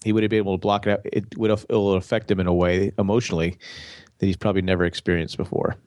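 A man's voice: low-pitched, little pitch movement, rapid-fire, a little mellow, no echo, studio quality. A congested man with a nasal voice, co-hosting a casual TV podcast and rambling through his theory with many restarts. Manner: rambling, restarts mid-sentence. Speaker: podcast co-host. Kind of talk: casual TV discussion.

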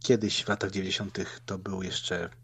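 A man co-hosts a casual internet radio chat, speaking wryly and poking fun at himself. His voice is low and husky. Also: level tone, normal speed, a bit bright. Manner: wry, self-deprecating. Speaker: radio show co-host.

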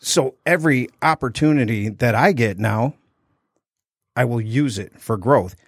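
A man's voice: mid-range voice, a little slow, husky, no echo, studio quality. A man co-hosting a casual podcast, telling a candid personal story and acting out the quotes. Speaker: podcast co-host.

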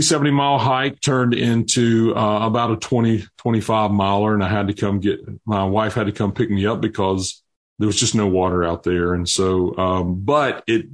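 A man in his fifties, an interview guest, telling personal stories earnestly with frequent restarts. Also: on the low side. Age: 50s. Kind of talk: interview storytelling.

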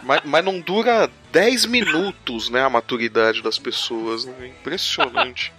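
A male podcaster with a bright, forceful voice whose pitch leaps all over the place. He swears for comic effect and banters with the others, with faint music in the background. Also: very animated, unhurried. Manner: crude exclamations, laughing banter. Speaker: podcast co-host. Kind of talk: casual comedic podcast chat.

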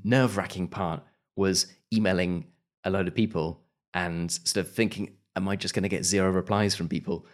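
Man, british accent, very low voice, reflective, casual interview answers, some restarts. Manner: thoughtful, frequent restarts and small laughs. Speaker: podcast host and audio drama producer.

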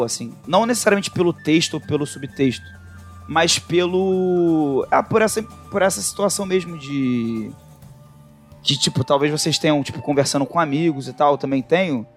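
A man with a Brazilian accent in casual, reflective podcast chat, talking informally and slangily in halting, rambling bursts. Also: a little high. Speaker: podcast co-host.

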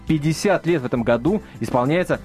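Chatty male radio host, higher voice. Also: fast talker, darkish tone, faint music behind. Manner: chatty, joking, with many fillers and restarts. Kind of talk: live radio talk show. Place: radio studio.

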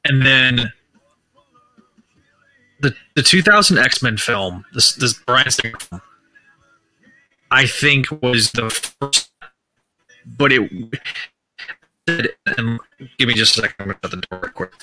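A man co-hosting a casual film discussion, talking haltingly with many restarts as he builds his point. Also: mid-range voice, expressive, music in the background. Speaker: podcast co-host. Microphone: remote call setup.

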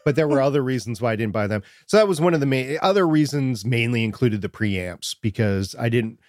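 A man with a quiet voice co-hosting a podcast from his home studio, talking through gear in a measured way. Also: medium pitch, lively intonation, dry recording. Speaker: podcast co-host. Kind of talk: casual tech chat.

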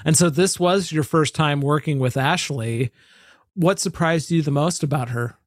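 A man's voice: fairly high pitch, moderate pace, no echo, studio quality. A man interviewing a filmmaker, asking appreciative, enthusiastic questions in a casual chat.

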